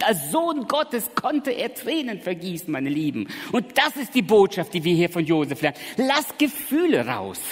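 Male pastor preaching in a reverberant hall. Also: medium pitch. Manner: emphatic preaching, sweeping from soft to loud. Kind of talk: sermon. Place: church.

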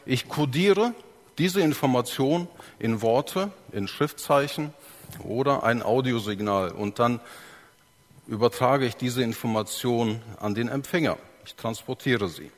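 Male preacher, teaching sermon, explains step by step and asks his listeners questions, long hall reverb. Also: mid-range voice. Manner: explains step by step, acts out examples, asks the audience.

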